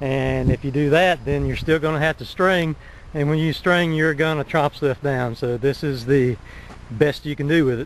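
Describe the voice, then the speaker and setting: A man at a fairly high pitch and moderate pace, with fairly even intonation, over noticeable background noise. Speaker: home gardener vlogger. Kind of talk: tutorial. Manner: loud.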